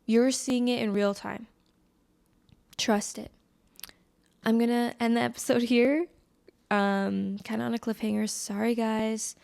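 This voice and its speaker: A woman's voice: a little high, little pitch movement, measured pace, creaky, pauses often, a little mellow. An American woman hosting a solo podcast in a casual, chatty way, with a scratchy, slightly congested voice on a close microphone. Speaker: podcast host.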